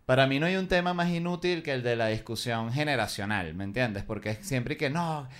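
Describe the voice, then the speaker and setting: A man's voice: mid-range voice, brisk, a bit bright. A man in his thirties with a Venezuelan accent, chatting casually among friends in an opinionated, slangy way. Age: 30s. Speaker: podcast participant.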